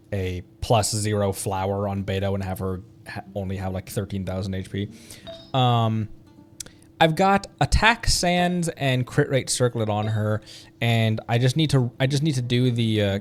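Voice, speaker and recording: A man chatting casually as he hosts a gaming livestream, rambling in loose asides. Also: fairly low pitch. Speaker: streamer and channel host.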